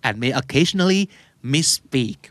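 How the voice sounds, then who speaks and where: A man's voice: fairly high pitch, lively intonation, extremely slow, fairly bright tone, dry recording. A man, co-hosting a podcast and casually explaining English terms, dropping English words into his talk.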